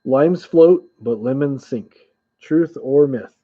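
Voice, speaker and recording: A man's voice: mid-range voice, takes it slowly, dull audio. A man casually hosting a live-chat trivia game, chuckling often and reading viewers' names aloud.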